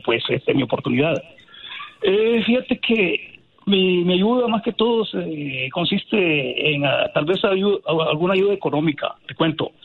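A man's voice: a little high, gravelly. A man from El Salvador calling in to a radio show, talking politely with many hesitations and fillers. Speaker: caller. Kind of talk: phone-in call on a radio show. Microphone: phone. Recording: phone line.

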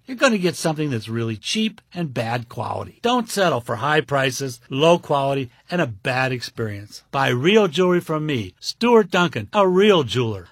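Hard-sell jeweler pitchman, slightly husky. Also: no room sound, clean studio sound. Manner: insistent, emphatic sales pitch. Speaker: jeweler advertising own shop.

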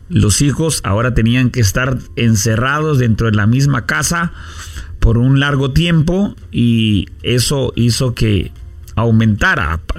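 A man from Guatemala, hosting a family-themed radio talk show from a station booth, earnest and unhurried with pauses and fillers. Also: mid-range voice, gravelly. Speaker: radio host.

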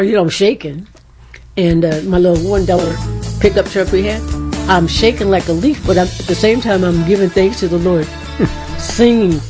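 A woman's voice: lowish voice, a little mellow. A woman in her seventies telling a rambling personal faith story on Christian radio, with laughs and restarts. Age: 70s. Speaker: radio guest.

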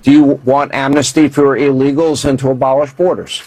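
A man interviewing a candidate, pushy and interrupting with rapid questions. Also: mid-range voice, little pitch movement, a little mellow, slightly rough, no echo, low-quality recording. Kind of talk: confrontational interview.

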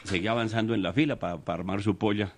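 A man's voice: fairly low pitch, steady tone, fast, noisy background. A man telling jokes on a radio comedy show, rambling through the story and laughing at his own punchlines.

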